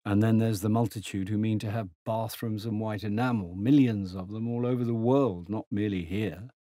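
Cynical young gentleman, blunt, lecturing, read by a man, dry booth recording. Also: lowish voice, steady tone, normal speed, no echo, natural voice.

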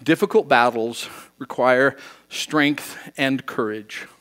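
A male pastor preaching a sermon in church in a relaxed, conversational way, often acting out bits of dialogue. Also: medium pitch, slow pace.

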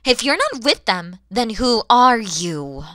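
Woman acting female dragon, motherly yet threatening, higher-pitched, dry close sound, ASMR roleplay, proud, wary, theatrical. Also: big pitch swings, slow pace, a bit bright, no room sound, heavily acted. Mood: suspicious, stern. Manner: theatrical, menacing, with drops into whispers.

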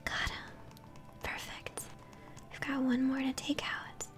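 A young woman whispering gently as she hosts an ASMR let's-play, commenting on a game. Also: sits high, completely flat delivery, takes it slowly, soft background music. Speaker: host, gamer. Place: small room at home, indoors.

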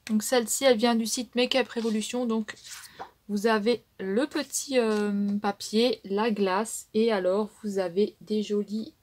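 A woman's voice: medium pitch, fairly even intonation, a little slow, darkish tone. A woman with a French accent casually reviewing makeup palettes, chatty and full of fillers. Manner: chatty, many fillers and "donc". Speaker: beauty vlogger.

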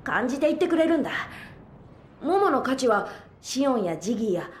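A woman playing a brash, protective young boy in a Japanese audio drama, speaking in a rough, blunt boyish way. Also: high-pitched, big pitch swings, fairly quick, roomy sound, slight background noise. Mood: reassuring, earnest.

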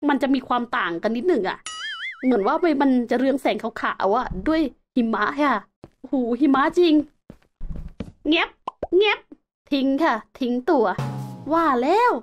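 Young woman, high voice, very lively, chatty game commentary, exclamatory, music underneath. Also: normal speed, pauses often, dull audio. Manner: chatty and exclamatory, talks to viewers while exploring. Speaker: game host. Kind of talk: casual Let's Play commentary.

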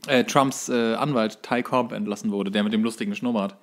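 A man's voice: lowish voice, steady tone, a little fast. A man co-hosting a podcast, chatting casually in a wry, joking and sarcastic way. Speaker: podcast co-host. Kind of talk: casual chat.

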